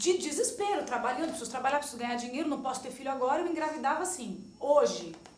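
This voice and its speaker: Hardly pausing, a woman with a high pitch speaks at a very fast pace with lively intonation, and audible room echo fills the recording. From São Paulo state interior (Ribeirão Preto region). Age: 30s. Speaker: journalist and radio broadcaster. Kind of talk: interview.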